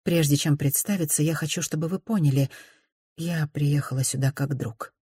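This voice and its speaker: A woman reader voicing a composed young woman who speaks quietly and firmly. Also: deep voice, slightly rough, no room sound, clean studio sound. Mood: calm firm. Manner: quiet, measured, restrained. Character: composed, proud young woman, firm and calm.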